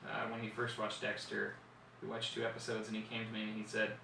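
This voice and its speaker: A man's voice: on the low side, monotone, quick pace, gravelly, far from the mic, background noise. A man guest telling jokes and stories in a casual group chat. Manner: joking storyteller. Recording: roomy studio audio with group chatter.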